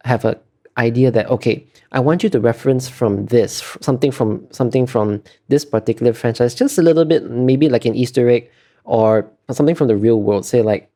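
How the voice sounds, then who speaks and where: A man's voice: medium pitch, moderate pace, dark tone. A man being interviewed as an artist, talking casually and explaining in a hesitant, self-correcting way.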